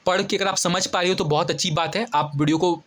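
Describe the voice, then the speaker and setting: A young man tutoring kids for an English olympiad exam in casual Hindi, reading English sentences out slowly and constantly checking that students follow along. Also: high voice, steady tone, a bit bright. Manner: chatty, keeps checking students follow ("है ना", "ठीक है").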